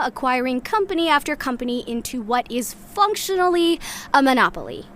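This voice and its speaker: A woman's voice: on the high side, a bit bright, slight background noise. An actress playing a bitter, sardonic woman in a sci-fi audio drama, ranting conversationally with sarcastic, mock-dramatic asides. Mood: wry, dismissive.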